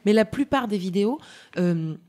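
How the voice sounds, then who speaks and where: A woman's voice: mid-range voice, expressive, moderate pace, a little mellow. A woman in casual, informal and joking conversation as a panellist on a talk show. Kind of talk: casual chat.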